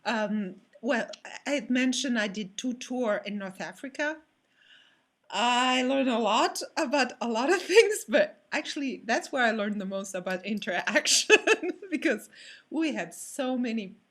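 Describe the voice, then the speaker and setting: A woman with as her talks casually on a panel. Her voice sits fairly high, and she often searches for the right English word. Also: a bit bright. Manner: searches for words in non-native English. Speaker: theater performer, panel guest.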